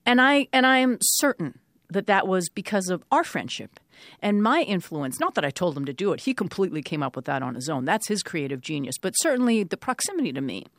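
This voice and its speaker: A woman's voice: lowish voice, very animated, brisk, no echo, studio quality. Candid Canadian-born woman in her fifties. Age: 50s. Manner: candid, earnest, thoughtful with frequent ums. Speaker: guest, author. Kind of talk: radio interview, reflective storytelling.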